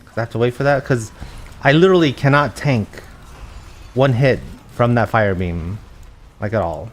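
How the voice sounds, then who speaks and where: Chill young guy streaming, soft gentle voice, mid pitch, talks to chat while he plays. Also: moderate pace, slight background noise. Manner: soft-spoken, relaxed, reads chat aloud, thinks out loud with restarts. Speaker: game streamer. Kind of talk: casual live-stream chat while gaming.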